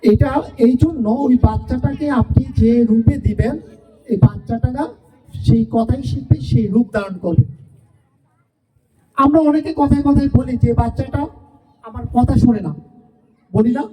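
A woman's voice: fairly high pitch, normal speed, pauses often, mellow. A woman teacher gives a farewell speech to parents, asking rhetorical questions and repeating her points. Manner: asks the audience rhetorical questions, repeats phrases. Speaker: school teacher addressing parents. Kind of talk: farewell speech at a school event. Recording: distant voice from far off.

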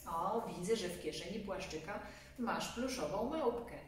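A woman's voice: lowish voice, animated, normal speed, lightly acted. A woman voicing a friendly, patient policeman in a storybook, speaking kindly as if to a small child. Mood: relieved, kindly. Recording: echoey room, distant mic, faint hum.

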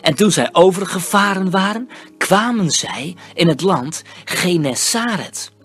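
A reader giving a solemn, measured scripted Bible reading. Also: mid-range voice, animated, breathy edge. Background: soft background music.

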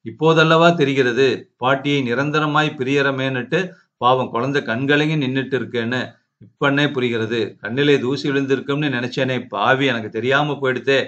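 A man's voice: medium pitch, steady tone, normal speed, fairly bright tone, lightly acted. A man voicing an anguished seventy-year-old grandmother who laments, pleads and rebukes her son, on a dull lo-fi recording. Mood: lamenting.

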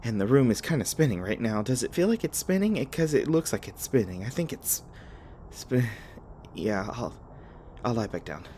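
A man's voice: medium pitch, big pitch swings, moderate pace, dark tone, a little hiss or hum, lightly acted. A man acting a nervous, rambling young human in an audio roleplay, stammering as he talks to the listener. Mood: overwhelmed. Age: young adult.

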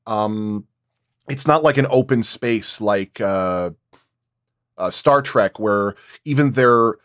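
Low pitched guy, dry close sound, talking through details casually on a roundtable. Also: slow pace, a bit bright, dry recording. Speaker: sound designer, panel guest.

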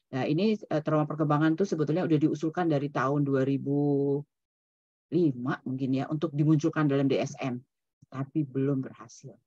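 A woman's voice: sits low, steady tone, a little fast, warm tone, husky, dry recording. Woman lecturing over lo-fi webinar audio. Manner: conversational, mixes in English terms, many "gitu ya" tags. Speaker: psychologist presenting at a seminar. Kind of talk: online seminar lecture. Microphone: video call.

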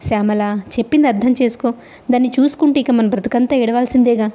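A woman's voice: fairly high pitch, quick pace, warm tone, natural voice. A woman voicing a grieving middle-aged man who urges his weeping sister to act, in a storybook reading, with an earnest manner. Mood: urging. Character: grieving middle-aged brother and father, steadying others.

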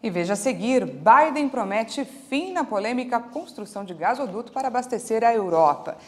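A woman in her thirties anchoring a live newscast, with a crisp, measured delivery on a lapel mic. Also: a little high, lively intonation, a little mellow. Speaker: news anchor. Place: outdoor studio set with trees.

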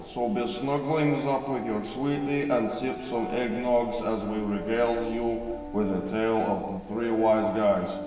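An actor playing a stiff ensign who narrates a comic radio drama in deadpan, oddly worded sentences. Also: male voice, on the low side, lightly acted. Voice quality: stilted, deadpan, odd grammar. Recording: very echoey, distant mic.

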